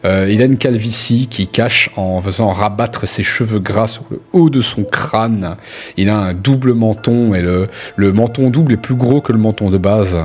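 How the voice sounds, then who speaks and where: A man's voice: on the low side, moderate pace, darkish tone. A man narrating a tabletop roleplaying game as game master, improvising descriptions in casual speech. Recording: music playing under the voice.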